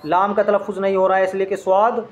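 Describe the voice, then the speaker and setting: A man's voice: sits high, level tone, fast talker, highs cut off. A man teaching an Arabic grammar lesson in speech, explaining step by step and quizzing his listeners with questions.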